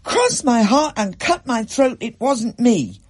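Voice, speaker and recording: A man's voice: extremely high pitch, sing-song, slow, pitched above the performer's own voice, heavily acted. A man voicing an anxious, defiant young girl in a storybook reading, protesting earnestly.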